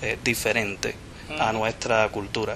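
This is a man speaking. Background noise is noticeable behind him. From Cuba. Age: young. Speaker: writer and teacher. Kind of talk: radio interview. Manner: hesitant, many fillers.

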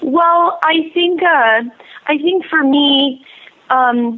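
A woman's pitch moves in an ordinary way, with a fair amount of noise in the background. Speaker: actor. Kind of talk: radio interview.

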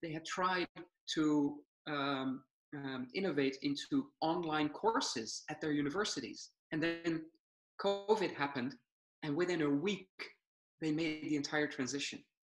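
Over noticeable background noise, a man speaks at a fairly slow pace with ordinary pitch variation and long, frequent pauses. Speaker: keynote speaker. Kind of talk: keynote talk. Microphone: video call.

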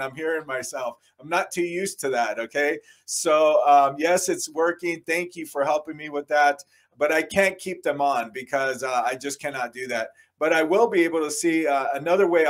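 The setting behind him is quiet. A man speaks at a moderate pace. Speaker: religious livestream host. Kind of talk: casual livestream teaching chat. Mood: warm, friendly. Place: home room. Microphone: studio mic.

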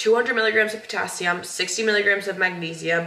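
Audible room echo surrounds the recording. A woman speaks with ordinary pitch variation. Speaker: lifestyle vlogger. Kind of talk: casual vlog chat, sponsor read. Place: kitchen. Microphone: camera far.

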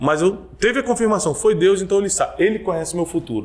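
Here a man talks at a very fast pace. His pitch is high, with ordinary variation. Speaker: theologian and best-selling author; podcast guest. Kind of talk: casual interview chat. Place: studio. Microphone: studio mic.

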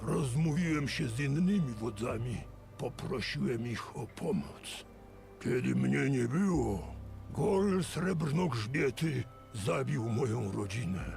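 Using a put-on character voice at a medium pitch, a man speaks at a fairly slow pace while music plays clearly in the background. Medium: video game. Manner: gruff, bitter.

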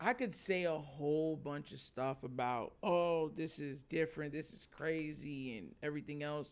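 A moderate pace with ordinary pitch variation and hardly any pauses. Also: man. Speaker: show host. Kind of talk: podcast commentary. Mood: solemn, reflective. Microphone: studio mic.

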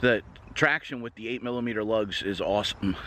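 Over light background noise in a dry, echo-free sound, a man with a fairly low pitch and a bright, sharp tone speaks fairly quickly with fairly even intonation. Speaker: trail runner reviewing shoes. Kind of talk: casual vlog chat. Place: waterside. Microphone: phone near.

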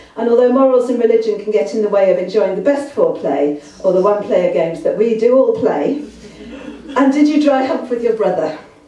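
A woman talks at a fairly quick pace. Light background noise and audible room echo surround her voice. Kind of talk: poetry performance. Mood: playful, humorous. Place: stage. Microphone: camera far.

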